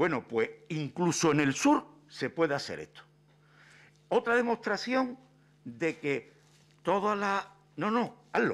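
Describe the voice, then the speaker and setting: Very slow speech in an Andalusian accent, with long, frequent pauses. The pitch swings very widely. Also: man, high pitch for a man. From Cádiz, Andalusia, Spain; Andalusia, Spain. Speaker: hospital doctor, health activist; speaker. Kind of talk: conference talk. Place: meeting room. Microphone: podium.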